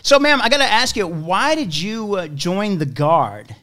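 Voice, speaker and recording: A young man hosts an interview with a friendly, informal manner, often hesitating with fillers. His voice is clear and smooth and sits a little high. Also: sing-song, unhurried, pushed and bright, no room sound, clean studio sound. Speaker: podcast host, interviewer. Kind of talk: casual interview chat.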